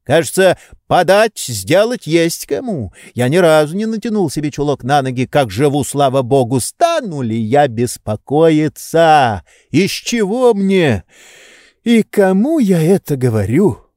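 A man's voice: on the high side, very animated, unhurried, darkish tone, dry recording, studio quality, pitched above the performer's own voice. A man voicing a pampered, indolent nobleman who speaks in indignant, reproachful rhetorical questions. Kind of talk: audiobook character reading.

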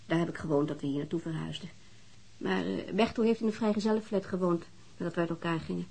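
A woman's voice: lowish voice, fast talker, creaky, a little mellow, slightly rough. An actress playing a weary, defensive divorced mother, answering questions hesitantly in a naturalistic radio drama.

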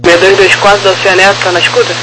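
Male air traffic controller, high-pitched, terse clearances over a noisy walkie-talkie radio channel. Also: little pitch movement, fast. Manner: clipped procedural phrasing. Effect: over walkie-talkie style aviation radio. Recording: noisy aviation radio transmission.

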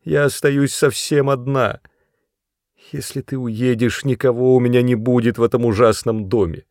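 A man's voice: steady tone, moderate pace, darkish tone, no echo, clean studio sound, close to an everyday voice. A man voicing a tearful, pleading young girl. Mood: desperate. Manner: pleading, high and shrill when upset. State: sobbing. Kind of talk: audiobook character voice.

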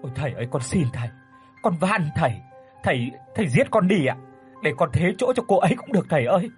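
A man's voice: medium pitch, lively intonation, normal speed, darkish tone, faint music behind, voice pushed down, lightly acted. A man voicing a desperate young man who begs and pleads. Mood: pleading. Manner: pleading, tearful.

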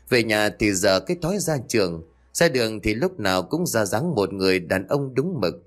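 A male storyteller reads a ghost story aloud in a steady, even manner. His voice sits a little low.

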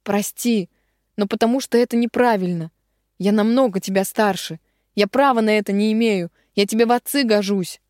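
A woman's voice: mid-range voice, moderate pace, darkish tone, no room sound, studio quality, close to an everyday voice. A woman voicing a remorseful man much older than his lover, begging and apologetic, read in an audiobook. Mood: pleading. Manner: begging, apologetic, then commanding. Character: man about fifteen years older, remorseful, pleading.

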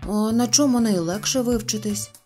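A woman voicing an excitable, boastful little boy from a fairy tale who blurts out wild news in loud exclamations. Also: on the high side, moderate pace, soft background music, lightly acted. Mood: eager. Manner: shouting in alarm, breathless exclamations. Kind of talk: audiobook character reading.

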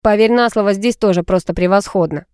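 A woman's voice: medium pitch, a little fast, darkish tone, clear, resonant tone, dry recording, studio quality, close to an everyday voice. A woman reading a cocky teasing young guy. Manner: mocking, teasing banter.

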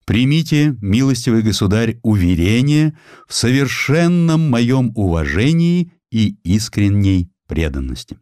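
A man's voice: mid-range voice, sing-song, measured pace, a little mellow, no room sound, studio quality, voice pushed up. A man voicing a courteous imperial treasury official's formal letter in an audiobook, in a ceremonious manner. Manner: ceremonious, bureaucratic.

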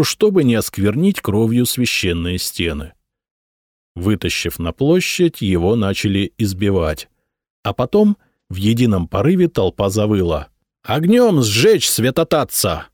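A man narrating an audiobook expressively, rising in pitch on dramatic moments. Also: sing-song, moderate pace, darkish tone, no room sound, clean studio sound.

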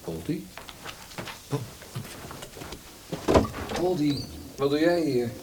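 An actor playing an earnest, self-deprecating young poet in a radio play. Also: male voice, on the high side, sing-song, normal speed, heavy background noise. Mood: puzzled, concerned. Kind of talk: Dutch radio play acting.

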